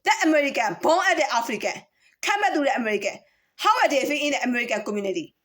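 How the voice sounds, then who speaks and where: A woman's voice: high voice, animated, very fast, a bit bright. A woman from Myanmar in a casual, rambling monologue to camera, full of rhetorical questions and restarts. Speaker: vlogger.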